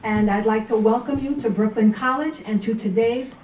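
A woman college administrator reading a formal policy statement at a podium in a measured way. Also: a little high, a little mellow, muffled recording. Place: large lecture room at a podium. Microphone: podium mic, far camera. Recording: echoey room from far off.

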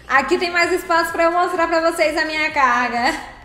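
A woman's voice: very high voice, moderate pace, bright, forceful tone, faint music behind. A woman, casually chatting on a live game stream, greeting viewers by name and laughing often. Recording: roomy echo.

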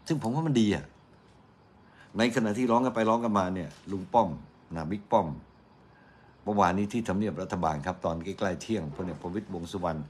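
Deep-voiced chatty male news commentator. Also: brisk, slightly rough. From Thailand. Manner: chatty, argumentative, quotes critics in a mocking tone. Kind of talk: casual morning news commentary.

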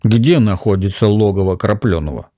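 A man's voice: lowish voice, animated, moderate pace, warm tone, no echo, clean studio sound, lightly acted. A man voicing a grim young avenger who speaks curtly and with menace in an audiobook reading. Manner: curt, threatening. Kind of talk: audiobook character voice.

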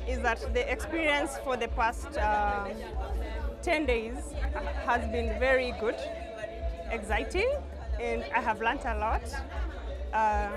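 A woman's voice: a little high, takes it slowly, music in the background, a crowd in the background. A woman from Kenya, a co-founder, speaking hesitantly with fillers in an interview. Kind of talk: interview testimonial.

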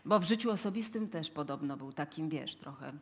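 A woman's voice: low-pitched, lively intonation, fairly quick. An actress in a live radio play playing an investigator's dry, doubting female colleague. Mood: skeptical.

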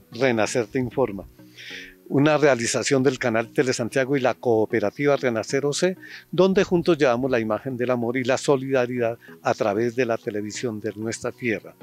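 A man's voice: medium pitch, darkish tone. A man in his fifties with a Colombian accent, hosting a cooperative program outdoors with a handheld mic, courteous and formal. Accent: Colombian, Boyacá. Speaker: program host. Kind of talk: outdoor interview. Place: outdoors in a farm field.

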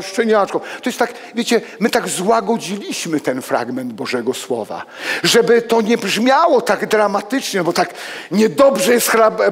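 A man in his sixties preaching a sermon to his congregation, walking among the pews and swinging between loud exclamations and hushed asides. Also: sits high, slightly rough. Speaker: pastor. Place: church hall with pews and congregation. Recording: long reverb of a church hall.

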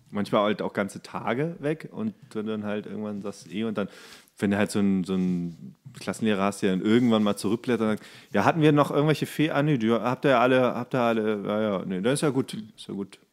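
A man's voice: lowish voice, fairly quick. A man co-hosting a podcast, telling comic anecdotes in a rambling, jokey, casual way. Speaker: podcast co-host.

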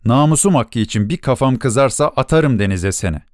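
A man reading an audiobook, voicing an angry young laborer who speaks in gruff, blunt threats. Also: medium pitch, animated, a little fast, no room sound, clean studio sound, natural voice. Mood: threatening. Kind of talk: audiobook character voice.

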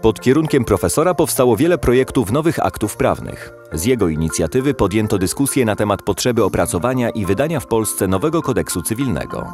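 Casting note: deep-ish male voice-over, formal, steady read, clear music bed. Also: fast, hardly any pauses. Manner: even, formal reading. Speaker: documentary narrator. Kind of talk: scripted narration.

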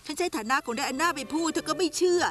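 A woman's voice: high-pitched, fast, fairly bright tone. A woman dubbing a Thai TV drama, playing a self-assured female ghost who insists she meant no harm. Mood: defensive. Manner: defensive, insistent.

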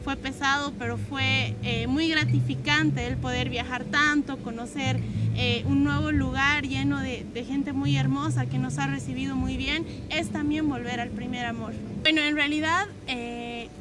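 A woman's voice: sits high, steady tone, measured pace. A twenty-year-old woman from Bolivia, giving a hesitant testimony full of restarts, sitting outdoors on a park lawn and filmed by a distant camera. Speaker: camp participant. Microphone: far camera. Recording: loud music underneath.

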